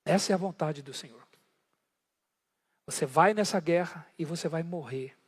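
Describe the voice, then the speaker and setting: A man acting out a bold ancient prophet inside a sermon, speaking slowly and solemnly with an ironic edge. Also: a little high, breathy edge, pitched below the performer's own voice. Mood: grave.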